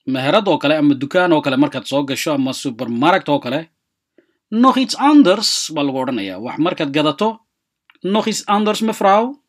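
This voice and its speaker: A language teacher hosting a lesson, giving quick explanations and then repeating short example phrases slowly. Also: medium pitch, very animated. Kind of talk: radio-style language lesson.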